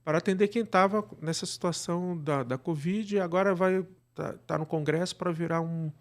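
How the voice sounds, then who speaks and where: A Brazilian man speaking as an interview guest, explaining things casually and haltingly, often checking that he is followed. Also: high voice. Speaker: podcast guest, radio drama producer.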